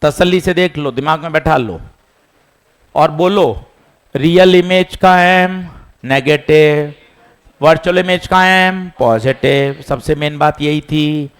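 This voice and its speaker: A man teaching physics in class, calmly repeating each step and scolding students who chat. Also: a little high, takes it slowly, smooth. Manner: patient, repeats steps, scolds chatter. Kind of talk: classroom lesson.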